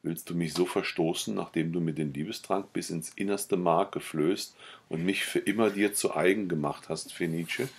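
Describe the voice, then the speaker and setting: A man's voice: sits low, moderate pace, breathy edge. A man reading Filippo, a desperate lovesick nobleman. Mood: pleading, desperate. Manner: pleading, impassioned.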